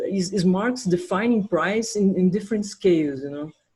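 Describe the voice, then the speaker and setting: Speaking at a fairly slow pace, a man has a dark, mellow tone and lively intonation. He talks with a Portuguese accent. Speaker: study group member. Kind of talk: study group discussion. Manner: halting.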